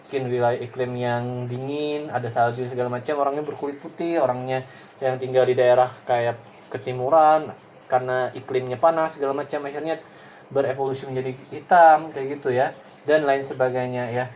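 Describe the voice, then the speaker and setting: A man's voice: mid-range voice, steady tone, brisk, a little mellow, muffled recording. A man giving a loose, conversational lecture to his class, full of fillers and tag questions, over a faint background hiss. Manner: casual and digressive, many fillers and tag questions. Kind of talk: recorded class explanation.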